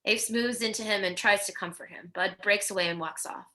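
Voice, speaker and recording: A woman's voice: mid-range voice, a little fast, pushed and bright. A woman narrating stage directions from a screenplay at a virtual table read.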